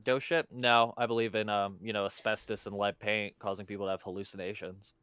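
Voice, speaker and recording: A man's voice: fairly low pitch, flat delivery, a little fast, fairly bright tone, clear, resonant tone, no echo. A young man co-hosting a casual chat, laid-back and wisecracking, swearing freely. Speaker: podcast co-host.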